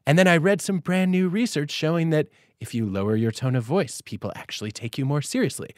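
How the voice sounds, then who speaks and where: A young man hosts a podcast conversation. He talks in an animated way, changing his pitch and pace. The recording is dry and close-miked. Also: brisk, no echo. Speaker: podcast host. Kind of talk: casual conversation.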